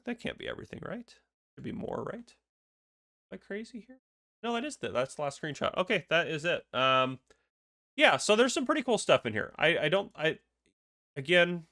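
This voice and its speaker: Fast, raspy man with a cold. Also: on the high side, pushed and bright. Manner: rambling, filler-heavy, thinking aloud. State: fighting a cold. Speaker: gaming video host. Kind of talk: casual commentary over screenshots.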